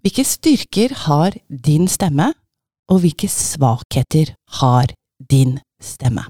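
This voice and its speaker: A woman's voice: low-pitched, big pitch swings, warm tone, dry recording, studio quality. A woman hosting a conversation, explaining voice exercises and guiding the others through them. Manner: guiding, explanatory, laughs easily. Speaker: host leading voice exercises. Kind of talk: instructive podcast conversation.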